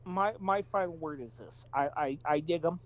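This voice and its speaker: High-voiced man in casual chat. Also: normal speed. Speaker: podcast co-host.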